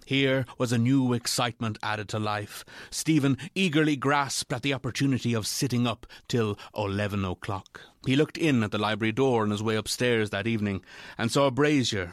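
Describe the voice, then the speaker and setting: A man narrating a classic ghost story from a script in a measured, literary storytelling manner. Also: medium pitch, no room sound, studio quality.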